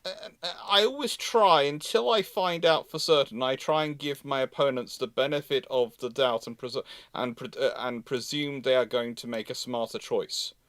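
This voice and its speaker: A British man hosting a live question-and-answer talk, explaining things with halting restarts and emphatic repetition. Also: mid-range voice, fairly bright tone, dry recording. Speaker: host answering audience questions. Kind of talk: live Q&A, explanatory commentary on naval matters.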